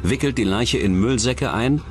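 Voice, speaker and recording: A man reading scripted true-crime documentary narration in a measured, serious manner. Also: medium pitch, faint music behind.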